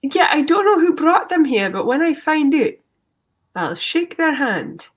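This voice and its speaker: A woman's voice: sits high, very animated, measured pace. A woman comedian with a Shetland Scottish accent, chatting casually on a comedy panel. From Shetland, Scotland. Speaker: improv comedian.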